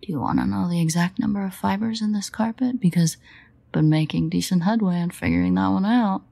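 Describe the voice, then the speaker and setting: A woman voices a sardonic vampire, guarded yet fond, in an intimate audio roleplay with a teasing mood. Her mid-range voice is husky and gravelly with a warm tone, and she speaks briskly but in a wry, hesitant manner.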